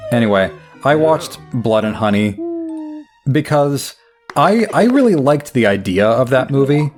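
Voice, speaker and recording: A man's voice: medium pitch, big pitch swings, measured pace, soft background music. A young man giving rambling, wry, self-deprecating commentary while playing a game. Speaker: gameplay commentator. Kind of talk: casual let's play commentary.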